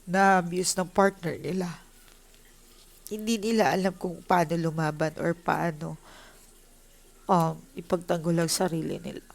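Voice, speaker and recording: A woman's voice: fairly low pitch, steady tone, measured pace, gravelly, pauses often, slight background noise. Emotional woman reading tarot. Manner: emotional, mixes Tagalog and English; addresses viewers directly. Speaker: tarot reader. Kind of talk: casual tarot reading to viewers.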